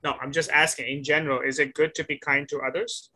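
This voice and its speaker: A man's voice: a little high, little pitch movement, fast talker, pushed and bright, a little hiss or hum. A man teaching a one-on-one English conversation lesson over a video call, patiently asking simple questions, repeating and correcting the student's answers and praising her often. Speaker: English tutor.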